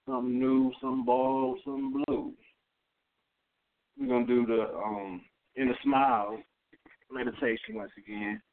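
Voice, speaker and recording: Man, meditation teacher, guided lesson, gravelly creak, animated intonation, informal rambling delivery, muffled lo-fi audio. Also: lowish voice. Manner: rambling, colloquial, frequent tag questions. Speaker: meditation teacher leading a class. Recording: dull lo-fi audio.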